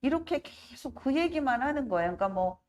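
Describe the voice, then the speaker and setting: A middle-aged woman evangelist giving a spoken testimony, telling her story in a lively, animated way and acting out the voices of people in it. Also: high-pitched, a little fast. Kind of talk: testimony sermon.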